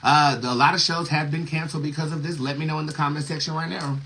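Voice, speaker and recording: A man's voice: fairly high pitch, steady tone, quick pace, loud music behind the voice. A man hosting an online show, chatting casually to his viewers with opinionated, sassy, emphatic and often profane commentary. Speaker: host of an online tarot reading show. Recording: very noisy recording with clicks.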